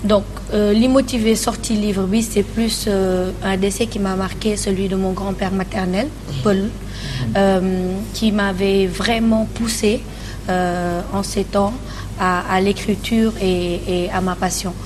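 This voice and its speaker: A woman's voice: mid-range voice, fairly even intonation, measured pace, background noise. A young woman from Senegal, guest on a TV morning show, talking hesitantly with many fillers and switching between French and Wolof. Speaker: guest, author and TV presenter. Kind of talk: casual TV interview. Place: TV studio set.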